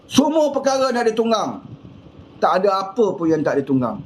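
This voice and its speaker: A man's voice: high voice, big pitch swings, normal speed, slight background noise. A man with a Malaysian Malay accent giving a fiery political monologue full of scolding rhetorical questions. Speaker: political commentator.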